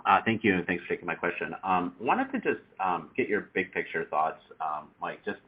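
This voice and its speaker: A man's voice: low voice, very animated, fairly quick, slightly rough. A man speaking as a financial analyst, putting a question on an earnings call over the telephone. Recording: narrow tinny phone line.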